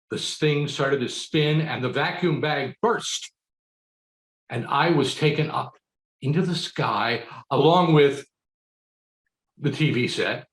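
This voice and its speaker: Middle-aged American man, slightly high pitch, very animated, dramatic comic storytelling, echoey video call. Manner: mock-earnest, dramatic delivery with pauses. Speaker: speech contest speaker. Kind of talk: theatrical comic storytelling speech. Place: book-lined room at home. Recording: roomy, echoing video call.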